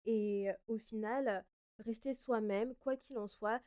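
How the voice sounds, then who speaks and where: A woman's voice: a little high, steady tone, takes it slowly, dark tone, smooth. Chatty young woman hosting a podcast. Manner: chatty, hesitant, many fillers and self-corrections. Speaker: podcast host. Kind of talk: casual solo Q&A podcast.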